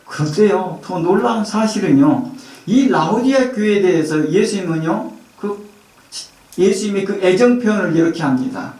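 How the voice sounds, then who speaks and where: A male pastor giving an earnest sermon, reading scripture slowly and pleading warmly in the Lord's voice. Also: sits high, expressive. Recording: echoey church from far off.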